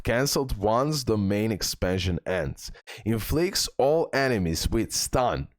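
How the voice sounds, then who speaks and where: A man's voice: on the low side, no room sound, clean studio sound. A man hosting a game guide, reading out skill descriptions and giving tips informally, addressing viewers directly and repeating points for emphasis. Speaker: gaming content creator and host.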